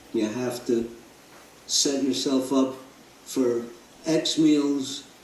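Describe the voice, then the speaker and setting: Speaking at a very slow pace with fairly even intonation, a man is heard with audible room echo. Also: medium pitch for a man. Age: 80s+. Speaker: diabetes doctor. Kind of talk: teleseminar Q&A. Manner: halting, many fillers.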